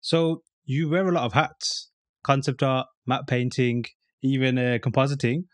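A man's voice: medium pitch, fairly even intonation, normal speed, no echo, clean studio sound. A man hosting a podcast, reading a scripted introduction and then interviewing a guest with short encouraging replies. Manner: brief encouraging backchannels. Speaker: podcast host.

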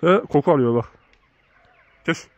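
Speaking at a measured pace, this shepherd sounds a little high and animated, with a slightly mellow tone on dull audio that has no room sound. He narrates his farmyard vlog in a chatty way, repeatedly addressing viewers as friends.

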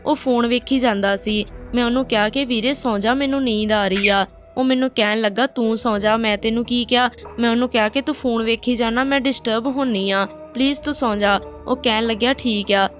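A woman's voice: fairly high pitch, steady tone, brisk, hardly any pauses, soft background music. A woman narrating a painful first-person story in a plain, direct way.

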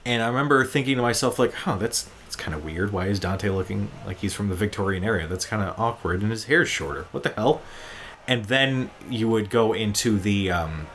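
A man's voice: fairly low pitch, brisk, a bit bright, a little hiss or hum. A man giving casual, explanatory commentary on a game, rambling like a fan. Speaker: gaming commentary host. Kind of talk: casual chat commentary over game cutscenes. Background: game cutscene music.

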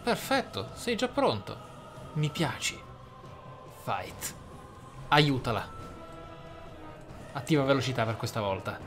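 A man's voice: medium pitch, huge pitch swings, slow pace, long pauses, music in the background. A man hosting a gameplay video, commentating in a roleplay style with wry, rather formal wording. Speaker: gaming video host. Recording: clear game noise behind voice. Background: video game sounds.

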